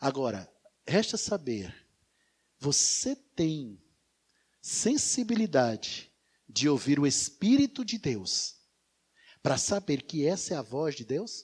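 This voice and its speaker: A man speaks at a very slow pace with long, frequent pauses, fairly high in pitch and with very wide pitch swings. The recording is very clean, with a silent background. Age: 50s. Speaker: pastor. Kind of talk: sermon.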